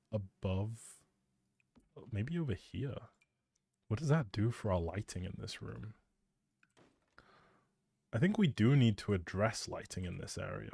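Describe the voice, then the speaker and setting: Mellow man rambling casually on a stream. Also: lowish voice, gravelly, breathy edge, no echo, studio quality. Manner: playful, teasing, thinking aloud. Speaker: live streamer.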